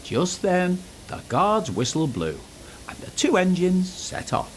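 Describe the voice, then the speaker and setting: A man's voice: sits high, wildly swooping pitch, takes it slowly, background noise. A man narrating a scripted children's story as storyteller.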